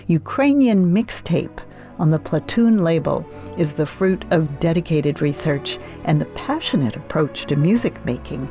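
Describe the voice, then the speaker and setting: A woman radio host and interviewer reading a scripted introduction in a poised, smooth way. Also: low voice, animated, unhurried, dark tone, faint music behind.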